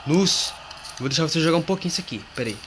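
A slightly high-voiced gamer speaks very fast as he plays a horror game, casually talking to viewers and a friend. He's excitable and yelps at jump scares, with a little hiss or hum audible in the background.

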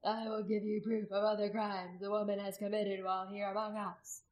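A woman voicing a pompous male tribal orator in an audiobook, gravely declaiming charges. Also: medium pitch, flat delivery, moderate pace, a little mellow, reverberant, natural voice. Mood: solemn, accusing. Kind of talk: dramatic audiobook character acting.

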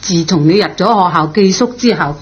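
A woman's voice: fairly low pitch, brisk, natural voice. Doting, fussing mother played by a woman. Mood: doting, worried. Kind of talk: Cantonese radio drama acting. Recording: dull, lo-fi old radio recording.

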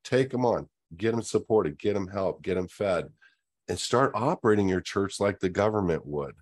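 A man's voice: low voice, animated, moderate pace, darkish tone. A middle-aged man speaking his opinions in a monologue on a video call, earnest, often restarting his words. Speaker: host. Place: indoors, virtual Q&A backdrop. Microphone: webcam video call.

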